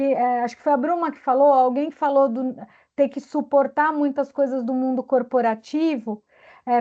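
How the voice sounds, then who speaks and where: A woman's voice: sits high, a little mellow. A woman coach talking casually in an online meeting, thoughtful and searching for words. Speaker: guest speaker and coach. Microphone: video call. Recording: dull lo-fi video call audio.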